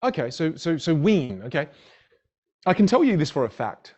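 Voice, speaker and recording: An energetic man whose first language is a Chinese dialect leads a live online public speaking class. His voice sits fairly high and swings widely as he talks with viewers in the chat. The stream audio is dull and lo-fi. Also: moderate pace. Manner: animated, upbeat, addresses viewers in chat.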